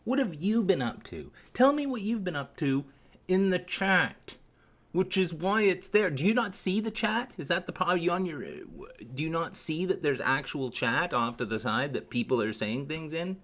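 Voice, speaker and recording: A man's voice: fairly high pitch, expressive, moderate pace, a bit bright. A man hosting a live stream, chatting to viewers in a rambling, sarcastic and profane way. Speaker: livestream host.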